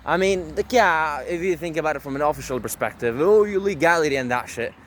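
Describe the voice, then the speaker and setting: A man's voice: fairly high pitch, fairly quick, a bit bright, slight background noise. Brash, profane Arab man rambling outdoors. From Syria. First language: Arabic. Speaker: vlogger. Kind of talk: rambling self-talk monologue.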